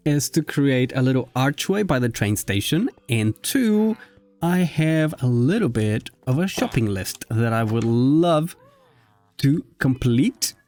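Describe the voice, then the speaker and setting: A man whose first language is Spanish, speaking English in an unscripted casual gaming vlog with a self-conscious, halting manner. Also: on the high side, darkish tone, no room sound. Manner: self-conscious, halting, often giggling at own slips. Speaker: video creator. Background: background music.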